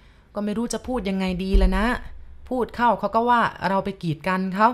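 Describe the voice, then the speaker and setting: A woman voicing a weary, worried old village uncle who grumbles slowly. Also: medium pitch, steady tone, smooth, lightly acted. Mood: troubled. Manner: slow, grumbling.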